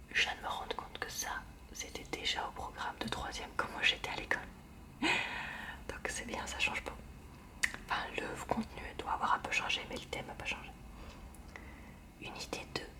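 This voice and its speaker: A woman whispers her way through a textbook in a hushed library style for ASMR, adding brief informal asides. She sounds as though she was recorded from a distance.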